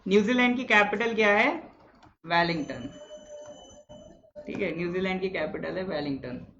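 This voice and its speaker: A man's voice: sits high, normal speed, lo-fi sound, noisy background. A man teaching a live online exam-prep class, chatting with viewers, reading out their answers and quizzing them.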